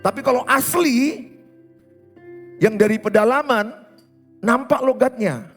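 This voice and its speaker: A man's voice: extremely high pitch, a little slow, fairly bright tone, soft background music. A middle-aged man preaching in church with a Batak accent, asking the congregation questions and mimicking regional accents. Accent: Batak-inflected Indonesian. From Indonesia. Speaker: pastor. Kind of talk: sermon. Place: church hall.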